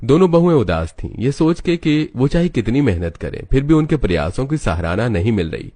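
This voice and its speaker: A man narrating an animated family story in a steady, storytelling manner. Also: mid-range voice, a little fast, no room sound.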